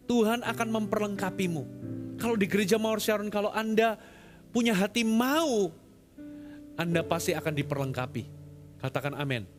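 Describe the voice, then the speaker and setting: High-voiced pastor preaching. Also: male voice. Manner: preaching with swings from loud emphasis to hushed tones. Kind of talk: sermon.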